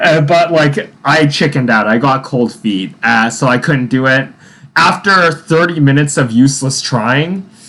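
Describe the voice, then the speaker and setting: Lively intonation runs through a man's fairly high-pitched voice. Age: 20s. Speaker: vlogger. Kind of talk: casual monologue recap. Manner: halting, many fillers and restarts.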